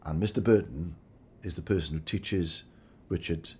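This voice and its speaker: A man from the Valleys, a film director, speaking earnestly in an interview and pausing often to restart his thoughts. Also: sits low, warm tone, breathy edge. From Wales. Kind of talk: reflective interview talk.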